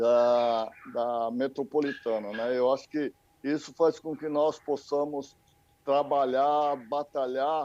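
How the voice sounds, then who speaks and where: This man speaks very slowly in a fairly high pitch, with a dark, mellow tone. His intonation stays fairly even. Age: 70s. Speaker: state legislator. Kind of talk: interview. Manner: halting.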